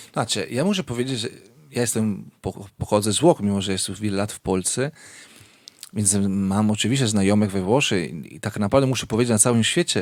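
Speaking at a fairly quick pace, a man with an Italian accent uses a fairly low pitch and ordinary pitch variation. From Italy, Veneto region near Venice. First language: Italian (speaking Polish). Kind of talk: radio interview. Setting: radio studio. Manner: hesitant, with fillers.

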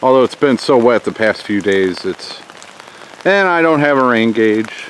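At a fairly slow pace, a man talks over light background noise in a dry sound with no echo. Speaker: homesteader vlogger. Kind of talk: casual vlog chat. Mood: relaxed, chatty. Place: rain. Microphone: phone near.

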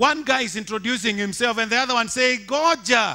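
A raised, projected voice with a bright, sharp tone carries over a quiet background. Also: man. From Kenya. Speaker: pastor. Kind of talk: sermon. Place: church. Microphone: headset.

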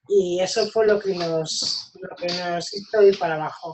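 A woman's voice with ordinary pitch variation. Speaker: small business owner. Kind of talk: webinar discussion.

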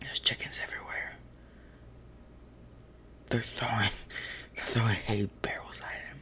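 Someone whispers at a moderate pace. Long pauses come often. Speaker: gaming ASMR creator. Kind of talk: ASMR gaming commentary. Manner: whispered. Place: home room.

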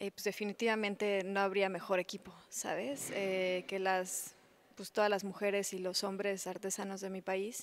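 Her intonation stays flat and monotone. A woman delivers it at a moderate pace. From northern Mexico, Saltillo, Coahuila; Coahuila, Mexico. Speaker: fashion designer; interviewee. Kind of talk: interview. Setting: museum exhibition. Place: hall. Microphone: handheld.

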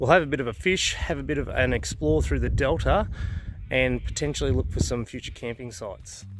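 A man talks at a fairly quick pace with music in the background. The sound is dry with no echo. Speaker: outdoors channel host. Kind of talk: casual vlog chat. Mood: relaxed and upbeat. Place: waterside. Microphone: phone near.

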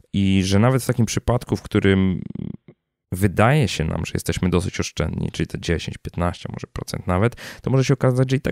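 A man speaks at a very fast pace in a fairly low pitch with ordinary pitch variation. The sound is dry and close with no echo, a very clean recording with a silent background. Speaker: personal finance podcaster and blogger. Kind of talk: live audience Q&A answers. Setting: live meeting with audience. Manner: animated.

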